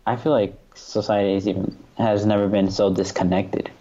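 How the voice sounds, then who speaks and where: A man's voice: lowish voice, little pitch movement, normal speed, mellow, lo-fi sound. A man from New York, a photographer, talking earnestly as a guest in a casual conversation, with lots of "like" and "you know".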